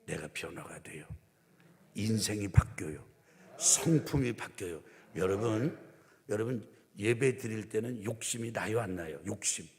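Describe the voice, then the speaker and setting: Low voiced pastor guy preaching casual, asks the crowd stuff, acts out quotes, long church echo. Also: lively intonation, normal speed, darkish tone. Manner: conversational, asks the congregation questions. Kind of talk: sermon. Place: church sanctuary.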